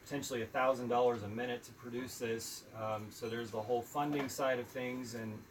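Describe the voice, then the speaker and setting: A soft-spoken man who produces films, speaking in a thoughtful, unhurried way and filling pauses with ums. He sits some distance from a phone mic, at a middle pitch, with a faint hiss underneath. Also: steady tone. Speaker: film producer, guest. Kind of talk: casual live video chat.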